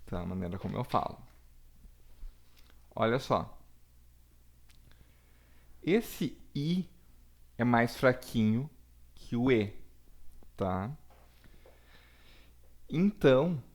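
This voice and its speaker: A man, teaching a recorded lesson with slow, deliberate explanations and frequent checks for understanding. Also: medium pitch, lively intonation, gravelly. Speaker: Portuguese teacher.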